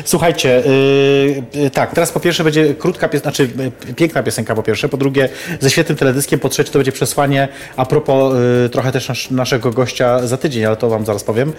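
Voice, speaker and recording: Man, talk show host, quick pace, chatty, playful, informal interviewing. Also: medium pitch, steady tone, a little mellow.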